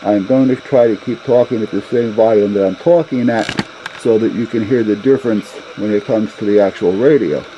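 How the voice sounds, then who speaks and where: A hobbyist presenter with a lowish, warm voice gives a casual hands-on demonstration, talking a little fast in a folksy, rambling style. A camera mic about a foot away picks him up with the highs cut off. Background noise and radio sounds are clearly audible.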